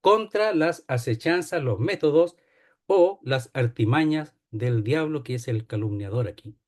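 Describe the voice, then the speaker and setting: A man teaches a Bible study in a fairly high voice. He explains each point step by step, repeats key phrases and checks in with his listeners. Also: a little mellow.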